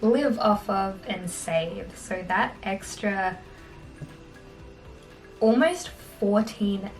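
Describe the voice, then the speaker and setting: A young Australian woman in her twenties, chatting casually on camera in a small bedroom, upbeat and quick to laugh. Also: medium pitch, faint music behind, rough recording. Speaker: vlogger. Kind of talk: casual talking-head finance vlog.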